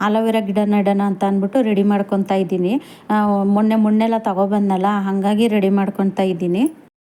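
A woman speaks with a medium pitch and a dark, mellow tone. Her intonation is monotone and flat, and her loudness is very even. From rural Karnataka, India. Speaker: gardening vlogger. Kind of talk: casual vlog tutorial.

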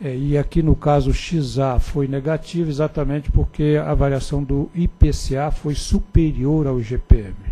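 A man's fairly high, somewhat breathy voice with a dark, mellow tone, fairly even intonation, a fairly slow pace and hardly any pauses. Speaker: regulatory agency director. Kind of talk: formal report reading.

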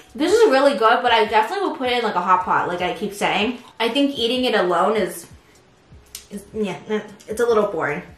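A woman talks at a very fast pace. Faint music plays behind her, and the room echo is audible. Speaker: food vlogger. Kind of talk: casual vlog chat. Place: home room.

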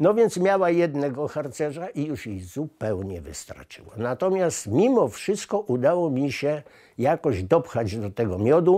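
Over a quiet background, a man with a dark, mellow tone and fairly high pitch speaks at a moderate pace, his pitch swinging very widely. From Poland, Warsaw area (Ursus); Poland. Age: 80s+. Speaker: war witness, scouting instructor; witness. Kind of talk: testimony. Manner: halting, with fillers. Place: home room.

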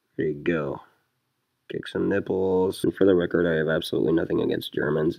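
The speech comes at a very fast pace, in an American accent. Light background noise can be heard. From United States. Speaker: gaming YouTuber. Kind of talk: let's play gaming commentary. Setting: poor-quality home microphone. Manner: crude, excitable, joking.

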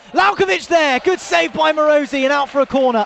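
Over light background noise, a man with an extremely high pitch talks at a moderate pace in a dry sound with no echo. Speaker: radio commentator. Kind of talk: live football commentary. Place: stadium.

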